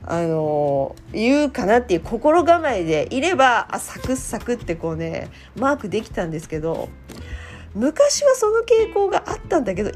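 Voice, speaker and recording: A woman talks in a loose, chatty way, full of fillers and short laughs. Her pitch swings widely up and down. Soft guitar music plays faintly underneath. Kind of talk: casual chat.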